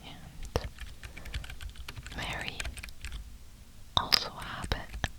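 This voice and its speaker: A person whispering close to the ear in an unvoiced ASMR tutorial style, with deliberate delivery, as a programming instructor. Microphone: close ear-to-ear stereo microphone. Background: computer keyboard typing.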